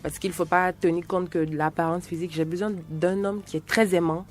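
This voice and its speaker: A woman guest on a radio talk show, talking casually and halting, repeating words as she searches for them. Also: fairly low pitch, fairly even intonation, a little mellow, soft background music. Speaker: singer, studio guest. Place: radio studio.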